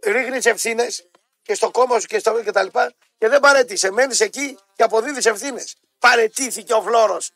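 A man's voice: very high-pitched, bright, forceful tone, no room sound. A man from Greece co-hosting a casual talk show, blunt and sarcastic, who keeps cutting in. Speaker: co-host. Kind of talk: casual radio-style chat.

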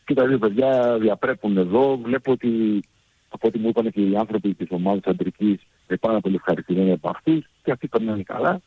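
Low-voiced male football coach, hesitant and measured, husky, dull lo-fi phone sound. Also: no room sound. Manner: hesitant, full of fillers, measured.

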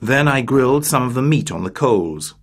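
A man reading word drills and a diary passage aloud for a coursebook, in a deliberate way. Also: medium pitch, lively intonation, slightly rough. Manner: very slow, deliberate. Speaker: narrator. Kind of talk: scripted reading.

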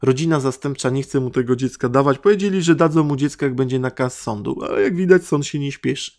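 A man's voice: medium pitch, fast talker, a little mellow. A man from Poland hosting a podcast, delivering an angry, sarcastic monologue full of swearing and rhetorical questions. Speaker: podcast host. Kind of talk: ranting monologue.

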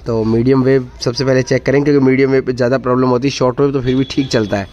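An Indian man reviews a radio, demonstrating it casually in a chatty, enthusiastic way and repeating his praise, filmed indoors on a phone held close to the set. His medium-pitched voice is fairly even and racing, with highs cut off, slight background noise, and loud radio music playing behind.

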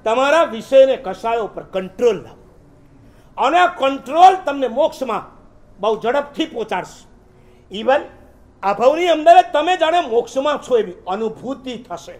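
A man preaches a sermon in a strikingly high voice. He moves between wry jokes and recited verses and poetry, in the manner of a Jain preacher. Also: expressive, normal speed.

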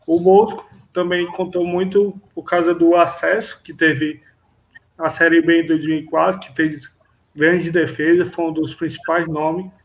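A man with a slightly high voice and very even intonation chats about sports as a panelist. He speaks casually over a video call from a room at home. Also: a little slow, poor audio.

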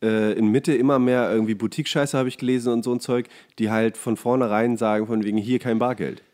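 A man's voice: medium pitch, steady tone, fast, a little mellow. A man chatting casually as a podcast co-host. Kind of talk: casual chat.

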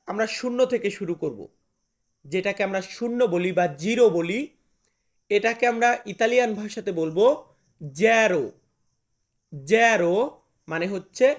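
A man with a high voice teaches a language lesson, drilling each item slowly and repeating it. He stops often to recap what came before. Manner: slow, repetitive drilling with frequent recaps.

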